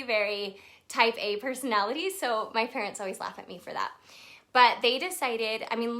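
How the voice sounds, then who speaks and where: A woman's voice: on the high side, bright, forceful tone. A young woman from Texas telling her life story on a casual live video, chatty and full of fillers, greeting viewers as they join. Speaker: makeup brand artist hosting a live video.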